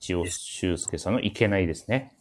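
Guy hosting a casual radio talk show, really low voice. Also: brisk.

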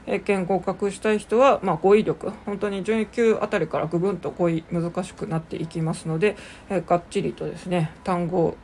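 A woman hosting an English-learning podcast, talking in an easygoing, chatty way full of fillers. Her voice sits a little low, and she slows down carefully on English phrases spoken. A faint hiss runs underneath the recording. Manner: relaxed, chatty, many fillers, slow on English words. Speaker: podcast host teaching English exam prep. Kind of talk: casual solo podcast lesson.

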